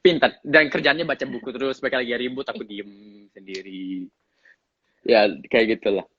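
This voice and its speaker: A man with a slight English accent in his Indonesian, an actor chatting casually in an interview, relaxed and often laughing. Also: mid-range voice, moderate pace, slightly rough, no echo, lo-fi sound. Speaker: actor guest.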